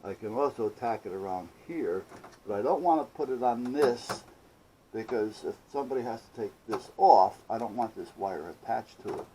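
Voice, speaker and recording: A man's voice: mid-range voice, expressive, moderate pace, slight background noise, poor audio. A man chatting casually through a hands-on workshop project, rambling and muttering to himself with playful asides. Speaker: hobbyist maker hosting own workshop videos.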